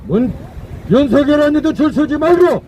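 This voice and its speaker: An animated man with an extremely high, dark-toned voice gives a fiery, declamatory political speech outdoors at normal speed, driving points home through repetition. Slight background noise runs through the low-quality recording.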